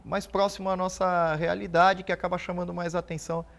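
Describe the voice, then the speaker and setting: A Brazilian man in his forties, a police officer and writer, answering interview questions in an earnest, halting way. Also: high-pitched, little pitch movement, creaky, fairly bright tone. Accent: Brazilian Portuguese. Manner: earnest, halting, repeats words while thinking.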